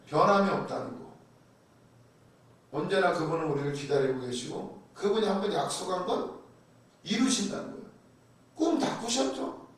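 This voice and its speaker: Man, pastor, high voice, animated sermon, rhetorical questions, very echoey, distant mic. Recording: very echoey hall, mic far off.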